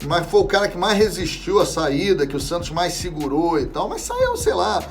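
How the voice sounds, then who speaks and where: Lively-pitched man in his forties from Brazil. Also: moderate pace, soft background music. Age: 40s. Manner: animated, swears freely, trails off and restarts. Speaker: interview guest. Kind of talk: casual football chat.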